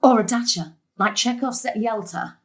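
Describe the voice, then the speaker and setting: A woman's voice: on the high side, normal speed, lightly acted. An actress playing a weary, self-effacing middle-aged mother who longs for freedom. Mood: playful.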